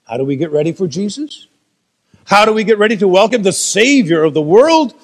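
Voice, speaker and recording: High-voiced American pastor in echoing hall. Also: male voice, animated, brisk. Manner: storytelling with playful asides. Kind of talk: sermon. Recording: long reverb in a large room.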